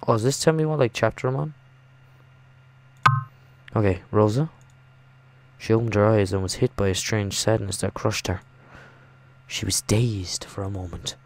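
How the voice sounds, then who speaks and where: A man's voice: on the low side, steady tone, moderate pace, long pauses, slight background noise. A man hosting a gaming video, reading visual novel narration aloud and reacting casually. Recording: music behind the voice.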